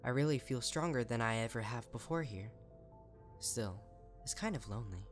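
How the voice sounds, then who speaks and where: A man's voice: mid-range voice, lively intonation, moderate pace, soft background music, voice pushed up, lightly acted. A man voicing a dead student unicorn's letter, curious, lonely and eerie, in a story reading. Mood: eerie wonder.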